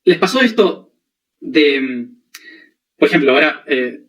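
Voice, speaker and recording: A man with a somewhat high voice gives a spiritual lecture. He works through plain everyday examples and keeps asking whether his listeners follow. He sits back from the microphone, so the voice sounds distant. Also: expressive, measured pace, a bit bright. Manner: explains with everyday examples and frequent checking questions. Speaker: spiritual teacher.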